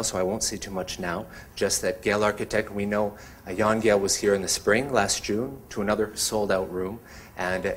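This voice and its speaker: A man hosting an evening talk, introducing the speakers in a measured way. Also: fairly low pitch, slight background noise. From Montreal. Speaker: event host introducing speakers. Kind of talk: event introduction.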